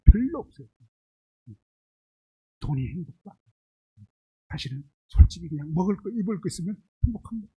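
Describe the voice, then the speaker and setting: A man preaches a sermon in a high-pitched, dark voice with a breathy edge, captured on a rough recording. He emphatically peppers the congregation with rhetorical questions and illustrates his points with homely, everyday examples.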